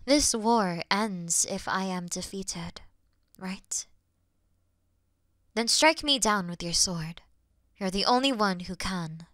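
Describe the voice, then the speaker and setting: A woman playing a weary, noble and gentle demon queen in a fantasy audio roleplay, speaking earnestly in a breathy, hushed way. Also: mid-range voice, animated, no echo, clean studio sound. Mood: solemn, resigned. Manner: solemn, slow, earnest, breathy hushed delivery.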